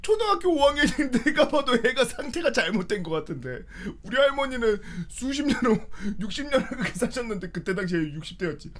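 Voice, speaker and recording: Animated man telling a comic story. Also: extremely high pitch, quick pace, few pauses. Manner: animated, shouts and wails while acting out scenes. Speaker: streamer telling a funny story.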